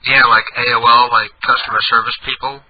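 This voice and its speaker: A man's voice: medium pitch, flat delivery, brisk. A man hosting a radio show, making a crude prank call, brash and mocking with frequent insults. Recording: lo-fi radio broadcast with faint hiss.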